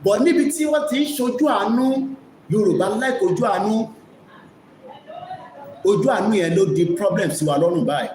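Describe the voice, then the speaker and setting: A man's voice: high voice, a little fast, a little mellow. A man with a Nigerian Yoruba accent hosting a live commentary, speaking emphatically and repeating key phrases. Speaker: host of an online media broadcast. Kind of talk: live commentary mixing two languages. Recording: echoey room with faint noise.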